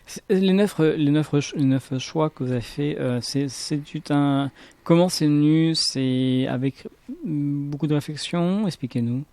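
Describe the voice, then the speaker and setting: French radio host, dry close sound. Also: male voice, fairly high pitch, mellow, no room sound. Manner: polite, halting questions with many fillers. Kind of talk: local radio interview.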